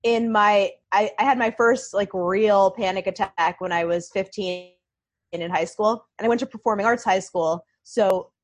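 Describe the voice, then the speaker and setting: A woman chatting as a guest on a podcast, bubbly and talkative, full of quick asides. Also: medium pitch, steady tone. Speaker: podcast guest, nonprofit founder. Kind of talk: casual podcast chat.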